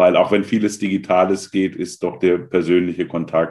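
With a very deep, low pitch, a man talks at a moderate pace. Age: 40s. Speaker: leadership coach. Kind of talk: interview. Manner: hesitant fillers.

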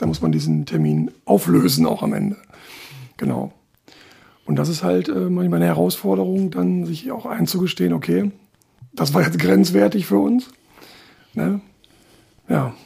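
A moderate pace broken by long, frequent pauses. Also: man. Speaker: arbitrator and mediator. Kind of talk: interview.

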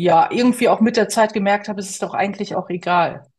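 The background stays quiet. Her voice, a woman's, comes out somewhat breathy. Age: 40s. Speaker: self-employed podcast guest. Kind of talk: casual interview. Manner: halting.

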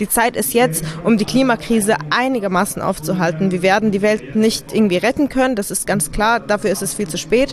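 A woman talks at a fairly quick pace with hardly any pauses, a medium pitch and lively intonation, over noticeable background noise. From Syria. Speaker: youth party spokesperson. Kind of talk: interview. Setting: at a party congress.

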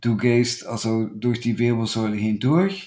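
The tone is dark and mellow, and the pace is very slow. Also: man. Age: 70s. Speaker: kundalini yoga teacher. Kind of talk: interview. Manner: hesitant with fillers.

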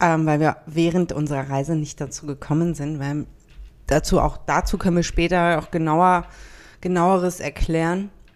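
This woman has an ordinary speaking voice. She speaks at a moderate pace with a fairly low pitch. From Berlin, Germany. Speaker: podcast co-host. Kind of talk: casual chat.

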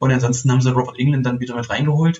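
This man speaks in a somewhat breathy voice. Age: 30s. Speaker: horror film fan. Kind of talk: casual chat. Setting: same room as host. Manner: animated. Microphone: built-in laptop mic, poor quality.

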